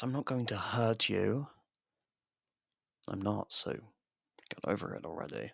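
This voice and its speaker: Guy doing a sardonic convict murderer, asmr roleplay, taunting and sweary, lowish creaky voice, super dry close mic. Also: dry recording, exaggerated voice. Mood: mock offended. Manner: taunting, mocking, casually profane. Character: sardonic imprisoned murderer reluctantly partnered with a detective.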